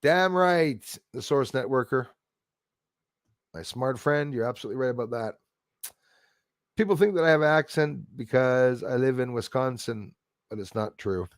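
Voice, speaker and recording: A Canadian man in his forties hosts a casual livestream. His talk rambles and halts as he responds to his chat, in an average-pitched voice. The sound is dry, with hardly any room on it. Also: no echo. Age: 40s. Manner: rambling, halting, greeting viewers by name. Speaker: livestream host. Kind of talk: casual live chat, reacting to viewer comments.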